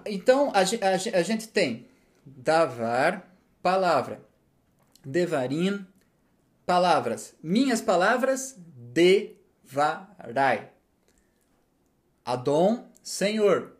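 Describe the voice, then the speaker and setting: Slow, animated man teaching. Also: high-pitched. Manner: repeats "tá?" and "né?" to check understanding; asks rhetorical questions and answers them. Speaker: Hebrew teacher. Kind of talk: explanatory lesson.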